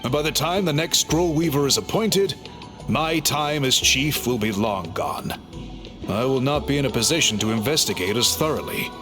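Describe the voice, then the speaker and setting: An actor playing a formal, scholarly tribal chief who speaks in a measured, polite, explanatory way. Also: male voice, medium pitch, expressive, over music, close to an everyday voice. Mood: thoughtful. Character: scholarly male tribal chief, calm, formal, reform-minded. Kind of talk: game cutscene voice acting.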